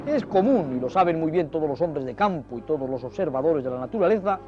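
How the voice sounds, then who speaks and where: A man's voice: a little high, expressive, fast talker. A man presents a nature documentary, explaining to viewers in ornate, dramatic storytelling phrases. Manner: didactic, addressing viewers directly. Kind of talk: nature documentary commentary, explaining over film footage. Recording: dull vintage TV audio, music behind. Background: music.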